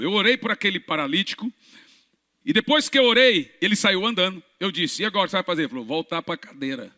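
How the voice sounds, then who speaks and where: A male pastor preaching, telling healing stories and acting out the dialogue, moving from hushed moments to shouted peaks. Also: sits high. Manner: dramatic storyteller who acts out dialogue, swings from hushed to shouting. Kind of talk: preaching a sermon with healing testimonies. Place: church. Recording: long reverb of a large church hall.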